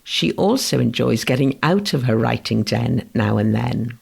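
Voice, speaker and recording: A man from Wales, Welsh by first language, narrates a writing lesson in a measured, gentle way. His voice is heavily gravelly and husky, with a mid-range pitch. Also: animated. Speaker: writing course instructor. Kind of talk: scripted educational narration.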